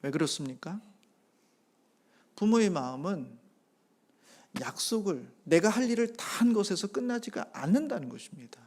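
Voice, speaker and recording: A middle-aged male pastor giving a sermon, swelling loud on key phrases and then dropping soft, with homely family stories along the way. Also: sits high, very animated, moderate pace, long pauses. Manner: tells a homely family story with acted-out quotes.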